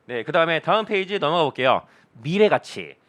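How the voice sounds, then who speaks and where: Lively high-voiced male lecturer. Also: fairly quick. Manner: playful, jokey, acts out little quoted scenes. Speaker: accounting instructor. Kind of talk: online lecture.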